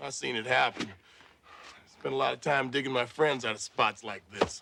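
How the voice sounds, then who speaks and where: Putting on a character voice, a man speaks at a moderate pace and medium pitch, raspy and fairly even in intonation, with big swings in loudness. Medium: short film. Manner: plain, old-fashioned folksy speech.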